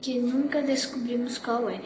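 A woman voicing timid little munchkin men, reading quietly with small halts, in an echoey room with background noise. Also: fairly high pitch, steady tone, moderate pace, far from the mic, close to an everyday voice. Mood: serious.

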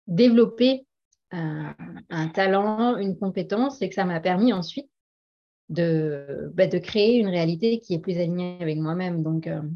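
A middle-aged woman speaking as a guest in a casual interview, earnest and hesitant, with frequent laughs. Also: on the low side. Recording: dull lo-fi audio.

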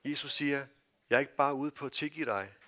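A man with a Danish accent preaching a sermon in a church, earnest and halting, with many fillers, his voice dropping to near-whispers and rising to loud calls. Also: mid-range voice. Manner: earnest, wide swings from loud calls to soft hushed phrases. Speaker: pastor.

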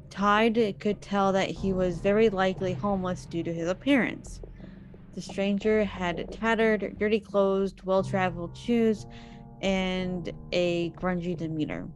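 A woman hosting a podcast, telling a story in a casual way and breaking off for chatty personal asides. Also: mid-range voice. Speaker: podcast host.

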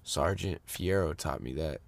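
A man's voice: rumbling low, unhurried, gravelly, dry recording. A man hosting a fitness podcast in a casual, rambling monologue, sounding a bit congested. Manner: upbeat, rambling with fillers and restarts.

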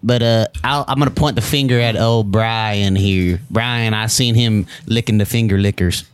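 A man's voice: on the low side, fairly even intonation, normal speed, clear, resonant tone, close to an everyday voice. A man voicing a folksy, drawling man who defends himself and points the finger. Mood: folksy, defensive. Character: folksy Southern man owning up, accusing a friend.

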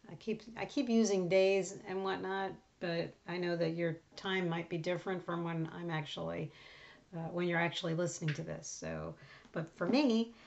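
A middle-aged woman with a raspy voice hosting a devotional podcast, talking casually with many fillers and restarts. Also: fairly low pitch, steady tone, moderate pace, a little mellow, highs cut off. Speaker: podcast host. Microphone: on camera, close mic.

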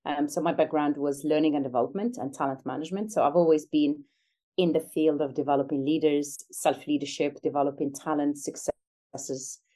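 A woman's voice: low-pitched, fairly even intonation, a little fast, dark tone. A middle-aged woman from Algeria speaking as an interview guest, reflective and conversational, earnest and emphatic about her work as a coach.

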